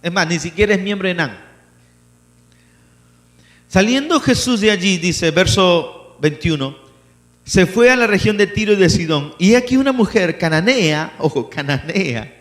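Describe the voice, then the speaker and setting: A man preaching a sermon as pastor, animated and acting out biblical voices. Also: high-pitched, unhurried. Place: church hall. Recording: church hall reverb with mains hum.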